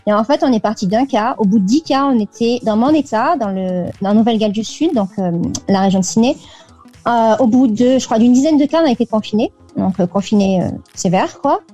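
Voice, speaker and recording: Chatty French woman, mellow voice. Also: on the high side, a little fast, soft background music. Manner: chatty, many fillers and restarts. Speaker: interview guest. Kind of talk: casual radio interview over a call.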